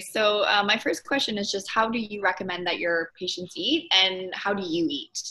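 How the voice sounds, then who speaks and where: In an unremarkable speaking voice of medium pitch, a woman talks at a moderate pace with hardly any pauses. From Toronto, Canada. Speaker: co-host.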